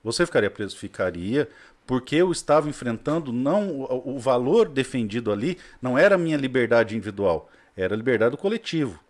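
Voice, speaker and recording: A man with a Brazilian Portuguese accent talks in a relaxed conversation with a middle-pitched voice. He is blunt and swears freely. He spins stories full of animated asides. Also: a little fast. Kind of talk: casual chat.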